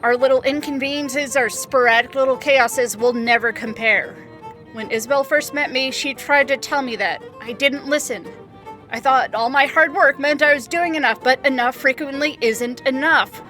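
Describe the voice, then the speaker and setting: An actress playing a disillusioned, self-doubting leader and fed-up wife in an audio drama, with intense, emphatic delivery. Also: female voice, sits high, moderate pace, pushed and bright, faint music behind. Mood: regretful.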